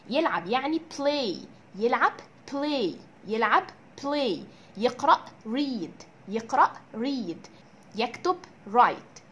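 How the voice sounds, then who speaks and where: A woman with an Egyptian Arabic accent teaching English vocabulary, drilling each word with slow repetitions and asking and answering her own questions. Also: fairly high pitch, a little hiss or hum. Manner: drills words with slow repeated pronunciation. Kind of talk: recorded classroom lesson.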